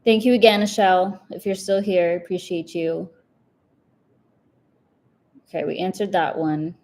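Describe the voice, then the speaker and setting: Young woman, finance livestream host, chatty, upbeat, fairly low voice. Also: steady tone, a little mellow. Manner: chatty and upbeat, quick to laugh, lots of "like". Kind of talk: casual live chat answering viewer questions.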